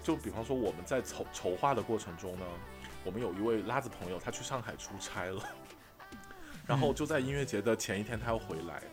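A man from Sichuan, China, co-hosting a podcast and telling a trip story in casual chat, animated and often laughing. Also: fairly low pitch, brisk, over music. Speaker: podcast co-host.

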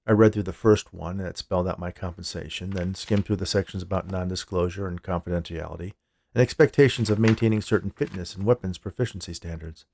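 A man's voice: low-pitched, steady tone, fast talker, creaky, a little mellow, slight background noise. A man reading scripted first-person fiction as a podcast narrator, close to the microphone. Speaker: writer, narrator and podcast host.

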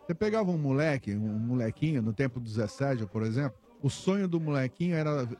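A man with a husky voice hosting a casual radio chat. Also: mid-range voice, lively intonation, quick pace, mellow. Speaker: host.

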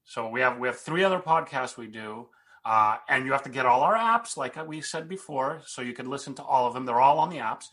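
A man's voice: medium pitch, lively intonation, brisk, fairly bright tone, low-quality recording. A man co-hosting a podcast, chatting casually and rambling a bit, joking about himself. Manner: rambling, self-deprecating, upbeat sign-off. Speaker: podcast co-host.

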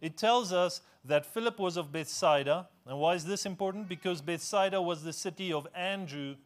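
Afrikaans-speaking guy giving a chatty sermon, kinda high voice, cracks little jokes at himself. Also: moderate pace. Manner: conversational, self-deprecating humor, asks congregation questions. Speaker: preacher. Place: church.

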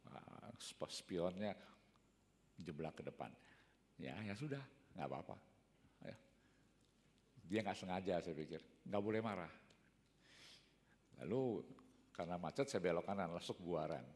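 A man's voice: low-pitched, a little mellow. An older man telling everyday stories in a casual, rambling talk, often tagging his sentences with a short "ya". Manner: rambling, fills pauses with a tag "ya". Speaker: speaker giving a talk. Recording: long hall reverb.

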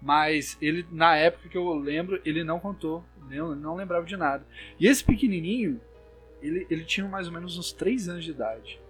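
A man's voice: fairly high pitch, fairly quick, a bit bright, faint music behind. A young Brazilian man with a Brazilian Portuguese accent chats casually, telling spooky stories with many restarts and fillers. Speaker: storyteller.

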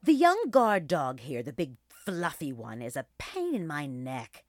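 A woman's voice: low voice, huge pitch swings, measured pace, no room sound, clean studio sound, exaggerated voice. A woman voicing a sly, mischievous aging female wolf in a children's storybook, teasing and persuasive. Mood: scheming.

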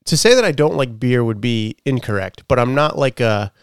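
A man's voice: mid-range voice, expressive, normal speed, clean tone, no room sound, studio quality. A man in his thirties co-hosting a casual podcast chat over beers, playful and wisecracking. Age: 30s. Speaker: podcast co-host.

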